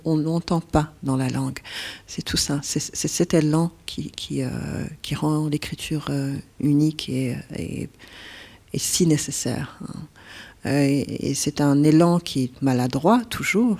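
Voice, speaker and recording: A woman from Burundi with a Burundian French accent, whose first language is Kirundi, speaking as a poet in a reflective interview, pausing often with fillers and restarts. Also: sits low, a little mellow. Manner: hesitant, many fillers and restarts. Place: stage at a poetry house.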